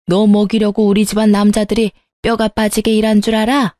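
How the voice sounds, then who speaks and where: A woman's voice: medium pitch, monotone, brisk, dry recording, clean studio sound, lightly acted. A woman voicing a spiteful older mother-in-law. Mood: scornful. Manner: sharp, scornful scolding.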